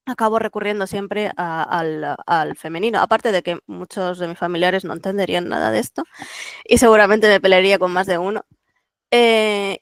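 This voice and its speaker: A speaker whose first language is Catalan, talking as a translator guest on a podcast in a thoughtful, explanatory way with frequent fillers. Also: female voice, medium pitch, dry recording. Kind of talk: relaxed podcast interview.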